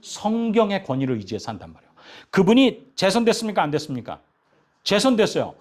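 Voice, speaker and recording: Man, 50s, pastor, church lecture, playful questions to the audience, high voice. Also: fast. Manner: animated, asks the audience questions and jokes with them. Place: church hall.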